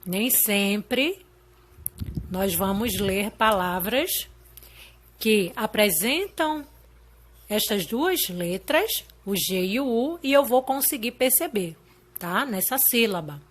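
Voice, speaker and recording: Woman teacher, unhurried, patient, checks in often with young pupils. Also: medium pitch, lively intonation. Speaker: primary school teacher. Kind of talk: slow recorded lesson.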